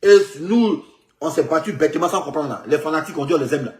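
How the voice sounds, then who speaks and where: A man, commenting on politics in an animated, rambling way, with many repetitions and stumbling restarts. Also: a little high, fast. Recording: echoey room.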